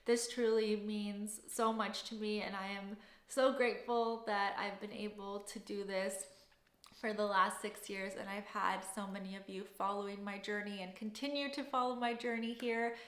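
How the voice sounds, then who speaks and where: A woman's voice: medium pitch, steady tone, moderate pace, a bit bright, echoey room. A young woman, hosting a casual Q&A vlog in an upbeat, effusive way. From Canada. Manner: upbeat, effusive, gushing thanks. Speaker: vlogger and job-search coach.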